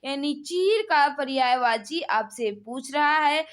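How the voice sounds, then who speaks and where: Female online exam-prep teacher, high voice; brisk quizmaster delivery with repetitive prompts. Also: expressive. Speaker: online exam-prep teacher running a live quiz class. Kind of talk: live quiz lesson, reading questions and confirming answers.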